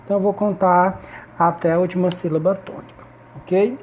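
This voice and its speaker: A woman's voice: lowish voice, steady tone, moderate pace, darkish tone, slight background noise. A woman teacher explaining a lesson step by step, often checking in with her students. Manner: explanatory, frequent checking tags like "né?" and "ok?". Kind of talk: recorded online class lesson.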